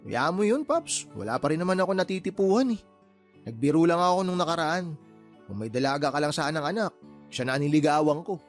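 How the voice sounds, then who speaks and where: A man acting a playful, teasing younger friend in a radio drama, boastful and quick to joke. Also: fairly high pitch, lively intonation, faint music behind, lightly acted. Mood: joking. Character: joking loyal younger male buddy, playful.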